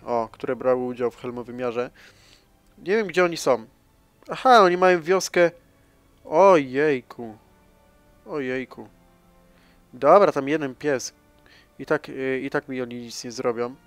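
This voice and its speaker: In casual let's-play commentary, a man with a medium-pitched voice talks over his own strategy gameplay, thinking aloud and addressing viewers. He swings between soft mumbling and sudden loud exclamations, and the recording has no echo.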